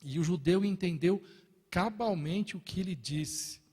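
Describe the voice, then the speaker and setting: A man's voice: high-pitched, a little slow, slightly rough, in a large hall. A Brazilian man preaching in a church, with a Brazilian Portuguese accent, telling stories playfully and often calling out to the brothers in the congregation. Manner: lively, joking storytelling with repeated "irmãos" asides. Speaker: pastor. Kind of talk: sermon. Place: large church hall.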